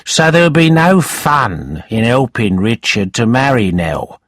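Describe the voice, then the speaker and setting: A man's voice: medium pitch, very animated, a little slow, a bit bright, no room sound, clean studio sound. A man reading a storybook aloud, voicing a cunning, spiteful male schemer who talks in a sly, mocking, commanding way.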